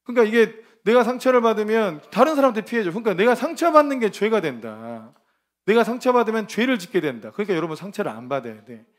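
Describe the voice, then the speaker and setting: Man, preacher, high-pitched voice, animated, emphatic, casual sermon delivery. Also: quick pace. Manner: animated and emphatic, colloquial, laughs often. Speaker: preacher at a ministry training. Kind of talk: lively informal sermon.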